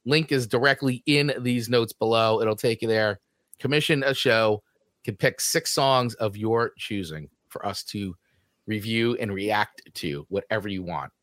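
A man's voice: on the low side, unhurried, fairly bright tone, no room sound, studio quality. A man with a New Jersey accent co-hosting a podcast, chatting casually and rambling through show plugs. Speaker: podcast co-host. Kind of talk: casual chat.

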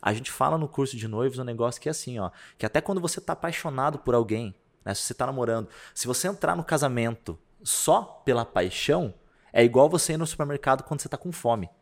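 A man's voice: medium pitch, fast. A young man, a podcast co-host telling a personal story in casual chat, acting out the dialogue with lots of slang. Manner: animated storyteller, acts out dialogue with shifting voices, peppers speech with slang.

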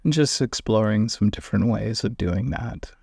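A man leading a guided meditation, giving gentle instructions with long pauses between phrases. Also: on the low side, creaky, slightly rough, no room sound, studio quality.

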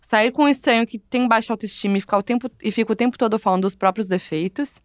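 A woman's voice: a little high, quick pace, dry recording, clean studio sound. A woman co-hosting a casual chat, reading quiz questions and laughing easily. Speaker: podcast co-host.

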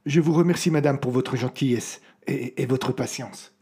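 An actor playing a weary, skeptical amnesiac man in an audio drama, polite and resigned in manner, with a slightly breathy voice. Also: mid-range voice, moderate pace, dark tone, natural voice.

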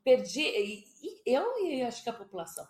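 Animated Brazilian woman in her fifties. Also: fairly high pitch, fairly quick. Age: 50s. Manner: lively, animated retelling with quoted dialogue. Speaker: podcast guest. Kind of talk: casual storytelling interview. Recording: echoey room.

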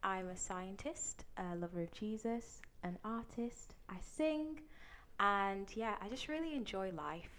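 A woman guest on a casual Christian podcast, talking in a sunny, animated way. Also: mid-range voice, a little slow.

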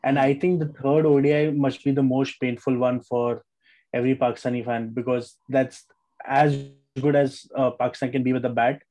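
A male co-host with a South Asian accent and a mellow, mid-pitched voice. He talks casually about sport, mostly in English with bits of Hindi-Urdu. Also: fairly even intonation, moderate pace, poor audio. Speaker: podcast co-host.

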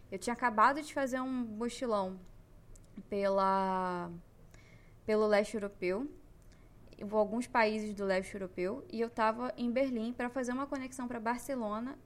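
A young Brazilian woman with a Brazilian Portuguese accent, hosting a podcast and telling a personal story in an emotional, animated way. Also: a little high. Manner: emotional, animated retelling with slang. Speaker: podcast host.

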